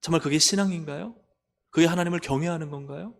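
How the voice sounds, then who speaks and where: A man's voice: fairly high pitch, fast, creaky. A male pastor preaching a sermon. He keeps asking the congregation questions and acts out complaining prayers in a raised voice. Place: church sanctuary. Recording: long reverb of a church hall.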